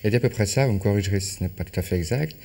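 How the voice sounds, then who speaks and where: A male interviewer with a low, slightly husky voice. He poses questions courteously and in a measured way, gently pressing his guest for detail.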